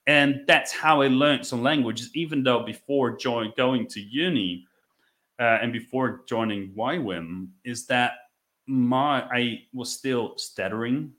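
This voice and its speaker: A man in his thirties from the Netherlands with a Dutch accent, telling his story conversationally as a podcast guest, in a reflective way with halting phrasing and repeated words. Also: mid-range voice, a bit bright. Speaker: podcast guest, business owner.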